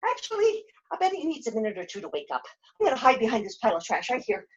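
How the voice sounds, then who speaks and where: Woman playing a flustered, excitable high-voiced young heroine. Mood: determined. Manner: halting, excitable, self-questioning. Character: flustered, forgetful but plucky young human heroine. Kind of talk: puppet show character acting. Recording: dull, lo-fi sound.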